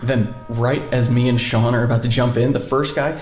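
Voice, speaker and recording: An easygoing guy, played by a male actor, chats like a born storyteller in an audio drama dinner scene. He is playful and casual at an average pitch. The room echoes, with music behind him. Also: fairly even intonation, moderate pace, a little mellow, lightly acted. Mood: amused, relaxed. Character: easygoing man telling bar anecdotes over dinner. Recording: roomy echo, music behind.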